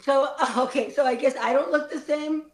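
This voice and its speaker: A woman's voice: sits high, moderate pace, a bit bright. A woman playing a flustered, defensive former student in an improvised comedy scene. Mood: awkward. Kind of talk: improvised comedy stage acting. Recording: roomy, echoey live space.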